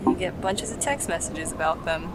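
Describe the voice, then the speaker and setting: A woman's voice: lowish voice, fairly quick, heavy background noise. A woman hosting a let's play with casual, jokey, sweary game commentary.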